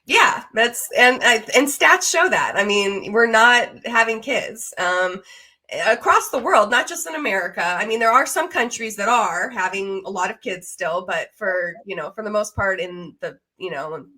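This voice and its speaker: A woman's voice: mid-range voice, animated, moderate pace, pushed and bright. A woman in her thirties hosting a podcast in a casual, conversational interview style. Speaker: podcast host.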